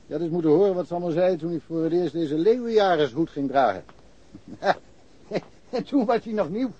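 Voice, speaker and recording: An actor playing an easygoing, good-humoured small-town policeman, jovial and unhurried, in a naturalistic radio drama. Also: fairly high pitch, lively intonation, dark tone, breathy edge, highs cut off. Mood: joking, content.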